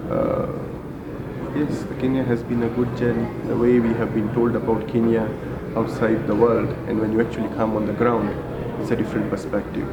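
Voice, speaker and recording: A man from India in his forties answers interview questions as a hotel group manager, pausing often on fillers and restarting his sentences. His voice sits in a middle range. The recording is echoey, with loud ambience running underneath. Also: mid-range voice, little pitch movement, heavy background noise. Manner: halting, many fillers and restarts.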